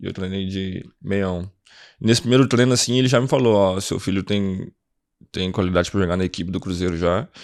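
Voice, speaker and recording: A man's very deep, low pitch with ordinary variation, at a fairly quick pace, on a very clean recording with a silent background. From Minas Gerais, Brazil. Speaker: professional footballer. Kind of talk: podcast interview. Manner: halting, with false starts.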